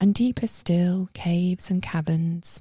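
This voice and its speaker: In a British accent, the speaker uses a soothing, gentle tone on a very clean recording with a silent background. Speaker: energy healing podcaster. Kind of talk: guided meditation. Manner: slow, soothing, gentle, calm.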